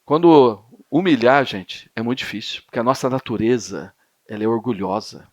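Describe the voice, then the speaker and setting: A man's voice: mid-range voice, normal speed, dry recording. A man with a Brazilian Portuguese accent preaching a youth sermon, acting out dialogues and rousing the crowd to call back. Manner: lively, acts out dialogues, rouses the crowd to shout.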